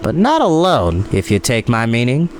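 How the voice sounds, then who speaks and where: A man's voice: medium pitch, wildly swooping pitch, normal speed, a little hiss or hum, pitched below the performer's own voice. A man voicing a sly, scornful, blustering innkeeper who sneers and snaps in a storybook reading. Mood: sly, malicious. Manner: sneering, snapping, taunting.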